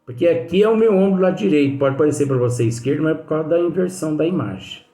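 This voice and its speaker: Chatty higher-voiced man teaching. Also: expressive, racing, mellow. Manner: chatty, leans on tag questions. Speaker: spiritist study lecturer. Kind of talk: conversational teaching with anecdotes. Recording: echoey room with faint music.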